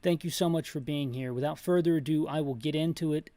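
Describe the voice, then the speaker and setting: A slightly high, warm voice moves quickly as a man in his thirties narrates his gameplay aloud. He's a gaming YouTuber whose talk is rambling, hyper and self-mocking.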